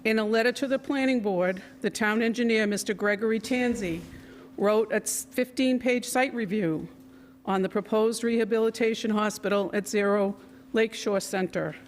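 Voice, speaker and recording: Loud resident woman at council podium. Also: mid-range voice, moderate pace, slight background noise. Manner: loud, reads quotes from a report. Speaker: resident speaking at public comment. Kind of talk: prepared public comment. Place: town council chambers.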